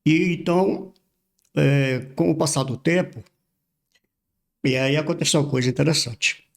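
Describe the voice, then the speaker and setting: A man's voice: fairly high pitch, normal speed, gravelly. An older man from Brazil, a pastor, telling his life story in a casual interview and repeating words as he recalls things. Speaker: pastor, podcast guest.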